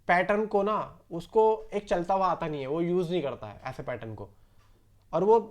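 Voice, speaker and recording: A man giving casual film news commentary to his viewers, conversational and repetitive, addressing them directly. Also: sits high. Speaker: YouTube film news host.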